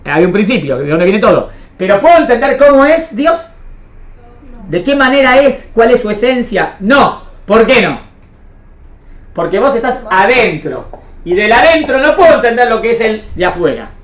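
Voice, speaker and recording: This religion teacher speaks with an Argentine Spanish accent, leading a small class in an interactive lecture. Her voice sits fairly high, with big swings in pitch, at a normal pace. She teaches didactically, repeating phrases and constantly checking, through questions, that her students follow.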